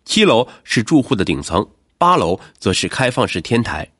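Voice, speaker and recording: A man's voice: fairly low pitch, very animated, normal speed, a bit bright, breathy edge, no room sound, studio quality. A man reading scripted true crime narration as a dramatic storyteller in a news-report register.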